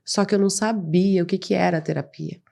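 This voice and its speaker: A woman's voice: fairly low pitch, steady tone, fast talker, vocal fry, mellow. Outspoken Brazilian woman telling her story. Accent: Brazilian Portuguese. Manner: outspoken, impassioned, blunt. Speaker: guest, mother of an autistic child. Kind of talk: emotional storytelling in a podcast interview.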